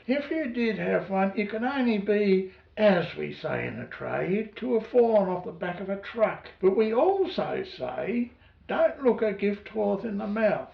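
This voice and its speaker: A man's voice: high-pitched, vocal fry, far from the mic, exaggerated voice. An actor playing a fatherly old male black-market dealer who haggles over a deal on a screen call in a radio play. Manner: wheeling-dealing, calls people "my son". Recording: muffled echoey screen call with loud noise.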